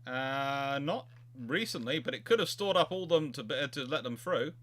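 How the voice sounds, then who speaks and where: A man hosting a casual history chat, talking in a halting way and often correcting himself mid-sentence. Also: medium pitch, animated, a bit bright. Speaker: host, naval historian.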